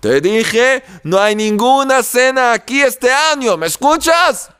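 A man voicing a shoemaker's angry wife who shouts and scolds. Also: very high voice, expressive, takes it slowly, clear, resonant tone, pitched above the performer's own voice, exaggerated voice. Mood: furious. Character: shrill furious wife of a shoemaker.

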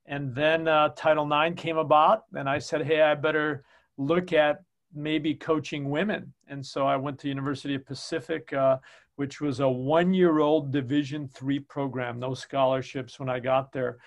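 A man's voice: fairly high pitch, little pitch movement, normal speed. An older man, a volleyball coach who grew up in Chicago, telling his long career story in a casual interview with many ums and uhs. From Chicago, United States.

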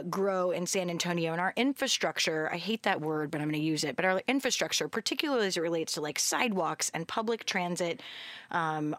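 Brief: woman podcast host, lilt, chatty and giggly, lowish voice, dry close mic. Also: no echo. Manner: giggly, chatty, many fillers. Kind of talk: casual interview chat.

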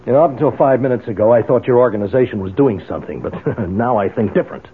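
An actor with an American accent playing a brash, tough ex-Marine in a 1970s radio drama, casual and probing in manner. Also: male voice, mid-range voice, expressive, fast talker, breathy edge. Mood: challenging. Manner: hesitant interjections, casual, probing. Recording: muffled tinny 1970s radio broadcast.

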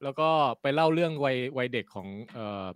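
A man chatting casually about a film, excited, trailing off as he searches for words. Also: medium pitch, a little fast, clean tone. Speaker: film discussion panelist. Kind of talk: casual movie chat.

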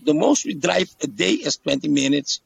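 Here an Aruban man, interviewed as a tour guide, explains things in a relaxed, chatty manner, repeating himself and tossing in a "yes?" to check in. He sounds fairly high-pitched, animated, gravelly and husky, speaking at a normal speed.

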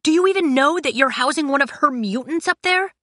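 A woman's voice: fairly high pitch, animated, moderate pace, sharp tone, no room sound, studio quality, pitched above the performer's own voice. A woman voicing an indignant young male emperor in an audiobook, emphatic and exasperated. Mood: outraged. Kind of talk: audiobook character acting.

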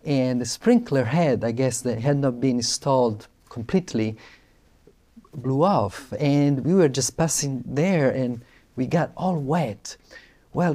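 A man speaking as a monastic teacher, giving a spiritual talk in a calm, soothing, deliberate manner. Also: medium pitch. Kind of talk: spiritual talk with guided breathing and affirmations.

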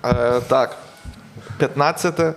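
A man's voice: mid-range voice, slow, soft background music. A man in his twenties with a Ukrainian accent, co-hosting a casual comedy podcast, hesitant with many fillers and restarts. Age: 20s.

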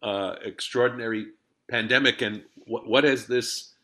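A man hosting an interview, asking measured, courteous questions. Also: medium pitch, fairly even intonation, sharp tone. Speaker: radio interviewer host.

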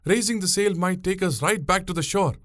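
A man voicing a sharp-tongued young woman who steers a boat, teasing and bossy in a raised voice. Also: sits high, fairly quick, dry recording, studio quality, voice pushed up.

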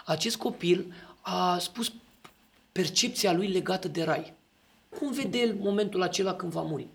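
Gravelly higher-voiced man explaining. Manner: explanatory, asks for agreement often. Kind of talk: conversational podcast talk.

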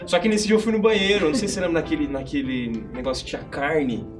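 Chatty host over music. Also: male voice, on the high side, steady tone. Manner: chatty, reacts with quick interjections. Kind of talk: casual interview chat. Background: background music.

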